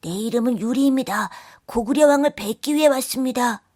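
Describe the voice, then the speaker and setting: A woman's voice: on the high side, fairly quick, darkish tone, no room sound, clean studio sound, natural voice. A woman voicing an earnest young prince in a children's story, with formal, declamatory delivery. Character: earnest young prince who becomes a resolute king.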